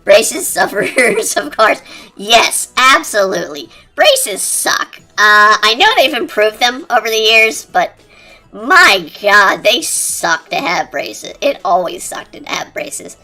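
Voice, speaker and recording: A streamer talking through a high-pitched chipmunk voice changer in rambling, casual chat while drawing. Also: animated, slow. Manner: rambling, chatty, lots of fillers. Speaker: art streamer. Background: quiet cafe-style background music.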